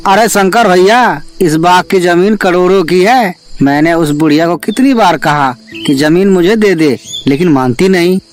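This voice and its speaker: A man playing a greedy, bullying village man in a children's animated story, pushy and scheming. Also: high voice, measured pace.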